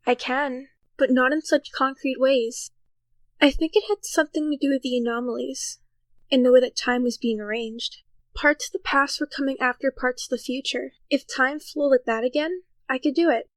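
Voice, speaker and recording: A woman's voice: high-pitched, steady tone, normal speed, no room sound, natural voice. A woman playing an earnest, cautious young time traveler who takes charge and explains things carefully in an audio drama. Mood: explaining, thoughtful.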